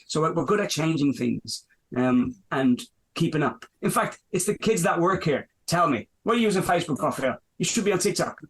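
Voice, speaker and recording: A man's voice: on the high side, poor audio. A man in his fifties from Dublin with an Irish accent, a business owner answering interview questions in a rambling way, with many fillers and restarts. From Ireland. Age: 50s. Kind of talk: podcast interview.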